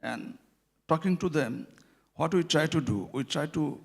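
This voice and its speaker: A man's voice: fairly high pitch, lively intonation, measured pace, gravelly. A man, speaking on a conference panel about microfinance, explaining earnestly with many hesitations and fillers. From Bangladesh. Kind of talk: panel discussion.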